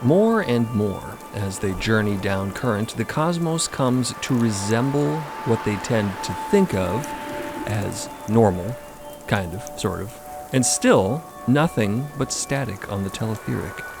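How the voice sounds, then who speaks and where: A man giving measured, descriptive scripted narration for a fiction podcast. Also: on the low side, expressive, gravelly, music in the background.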